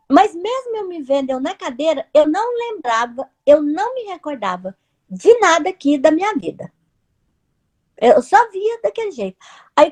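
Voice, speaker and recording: A Brazilian woman telling her near-death experience in a halting, repetitive way, sometimes tearful. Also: sits high. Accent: Brazilian Portuguese. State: tearful at times. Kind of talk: emotional personal testimony.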